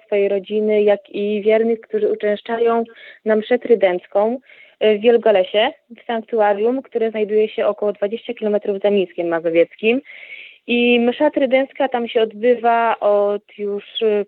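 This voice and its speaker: A woman calling in to a radio show over the phone, making an appeal in a halting way with frequent hesitation sounds. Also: on the high side, no room sound. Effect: radio show caller on a phone line. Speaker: caller to a radio program. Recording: tinny dry phone line.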